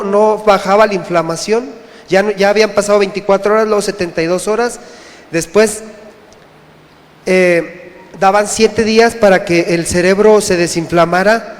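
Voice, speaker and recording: A man from Mexico giving an earnest, halting personal testimony to a church congregation, often repeating himself. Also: sits high, steady tone. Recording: echoey church hall.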